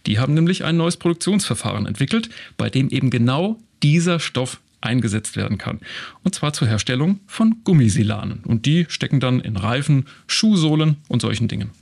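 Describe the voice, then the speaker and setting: A man's voice: medium pitch, expressive, fairly quick, gravelly, darkish tone. A man co-hosting a company news show, explaining stories in an upbeat, conversational way. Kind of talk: casual scripted news chat.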